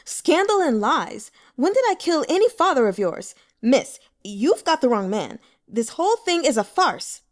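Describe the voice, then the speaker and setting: A female reader plays a male broker in a storybook tale, always defending himself. His speech is formal and protesting, raised in pitch with lively swings. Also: a little slow, few pauses. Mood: indignant. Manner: protesting, formal, stammers when flustered. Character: self-justifying male head broker, polite but indignant.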